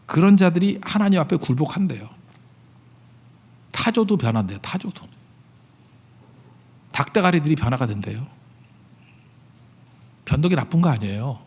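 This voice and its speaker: A middle-aged male pastor delivers a sermon with a slightly raised, husky voice. He talks in a loose, conversational way, dropping low for asides and climbing to loud, emphatic peaks. Rhetorical questions come one after another. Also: sing-song, normal speed, pauses often.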